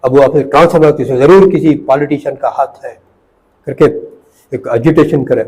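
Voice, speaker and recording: An older retired professor, reminiscing in an interview, halting and repeating words, mixing in English phrases. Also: male voice, medium pitch, a little mellow, poor audio.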